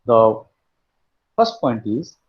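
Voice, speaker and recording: A man's voice: medium pitch, very animated, drawn-out words, dull audio. A man giving an online literature lecture as a university lecturer, explaining point by point with frequent restarts. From India. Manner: explaining step by step, with many restarts.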